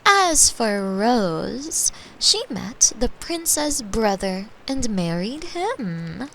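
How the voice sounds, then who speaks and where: A woman playing a caring, playful girlfriend in a soft, tender, breathy bedtime ASMR roleplay. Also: on the high side, big pitch swings, slight background noise, heavily acted, poor audio. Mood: storytelling. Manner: soft, slow, tender, often breathy and whispering. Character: caring, playful girlfriend soothing her partner to sleep.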